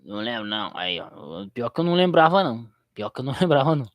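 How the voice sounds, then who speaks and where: A man's voice: mid-range voice, very animated, quick pace, dry recording, highs cut off. Slangy, rambling man on a dry mic. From Brazil. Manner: rambling and slangy, laughs easily. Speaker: theology teacher running a livestream. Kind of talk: casual livestream chat.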